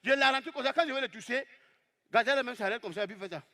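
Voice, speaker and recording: A man telling a comic story on stage as a stand-up comedian, lively and exclaiming as he acts out the scenes. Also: very high voice, very fast.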